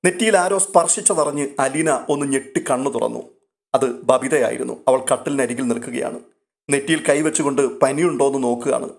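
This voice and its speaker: A man narrating a story recap of a TV serial in a steady, dramatic storytelling way. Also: medium pitch, gravelly.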